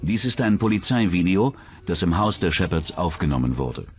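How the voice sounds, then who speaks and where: A man's voice: deep voice, very animated, moderate pace, husky, lo-fi sound. A man reading scripted narration for a true-crime documentary.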